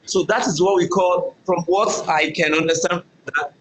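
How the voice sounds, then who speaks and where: A man's voice: sits high, steady tone, normal speed, roomy sound, poor audio. A man explaining his view in an online class discussion, heard over glitchy video call audio that keeps breaking up. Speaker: course participant.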